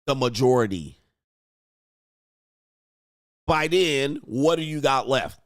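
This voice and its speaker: A man's voice: mid-range voice, expressive, slow, no room sound, studio quality. A man commenting on clips as a dating coach, brash and mocking, swearing and punching words for emphasis. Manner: brash, profane, mocking, with sudden emphatic swells. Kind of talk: provocative reaction commentary.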